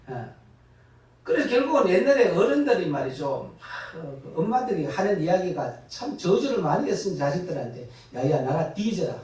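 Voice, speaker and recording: A retired pastor, preaching a lively sermon full of laughing asides and sudden loud bursts. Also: male voice, high voice, moderate pace. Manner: animated, laughing storytelling with sudden loud rises. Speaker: guest pastor. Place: church sanctuary. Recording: echoey church from far off.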